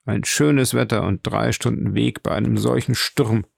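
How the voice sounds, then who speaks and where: A man reading an audiobook, voicing a calm, self-assured male jeweler. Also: medium pitch, normal speed, vocal fry, no echo, studio quality.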